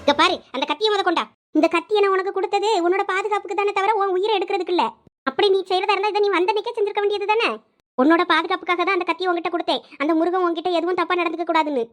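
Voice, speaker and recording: A woman's voice: very high voice, fairly even intonation, racing, fairly bright tone, soft background music. A woman voicing a kindly old servant woman. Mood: caring. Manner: soothing, protective. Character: kindly older female house servant. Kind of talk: audio drama acting.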